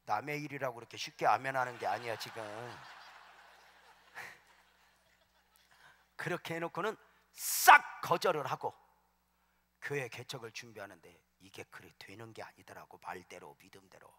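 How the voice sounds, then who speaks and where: Man, middle-aged pastor, bright forceful voice, storytelling sermon, loud bursts and whispers. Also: mid-range voice, expressive, a little slow, pauses often. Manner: storytelling, swings from hushed asides to loud shouting. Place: large church sanctuary.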